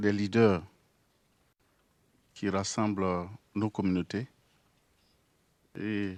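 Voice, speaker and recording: Speaking very slowly, a man with a fairly low voice is heard in a dry, close sound with no echo. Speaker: trial witness, neighborhood chief. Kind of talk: witness testimony. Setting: courtroom.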